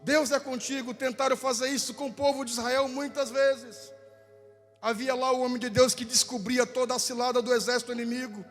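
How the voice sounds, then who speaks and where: High-voiced fervent Brazilian preacher. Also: male voice, level tone, a little fast. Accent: Brazilian Portuguese. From southern Brazil. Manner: fervent, repetitive, rises to shouting. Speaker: pastor. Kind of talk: Pentecostal sermon. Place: church sanctuary. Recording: church hall with long reverb, faint music.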